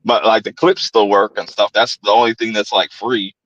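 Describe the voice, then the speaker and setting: Laid-back slangy dude hosting a horror podcast, kinda low voice, dull dry home mic. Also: male voice, steady tone, moderate pace, fairly bright tone, no room sound. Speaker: podcast host. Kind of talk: casual chat. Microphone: home streaming setup.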